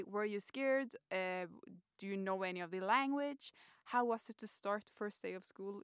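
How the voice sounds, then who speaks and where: A woman's voice: on the high side, clear, resonant tone, dry recording, studio quality. A woman co-hosting a podcast, asking curious questions with encouraging interjections. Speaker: podcast co-host.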